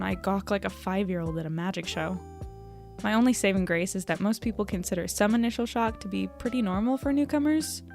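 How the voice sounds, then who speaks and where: A woman's voice: mid-range voice, vocal fry, a little mellow, natural voice. A woman playing a candid, self-deprecating young journalist, reflective and a little hesitant, in a confessional audio drama diary. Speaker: lead actor and narrator of an audio drama.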